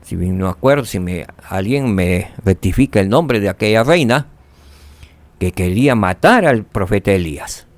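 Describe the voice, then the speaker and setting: A man teaching a scripture lesson, asking rhetorical questions and dropping to soft tones for emphasis. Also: on the low side, expressive, normal speed, no room sound.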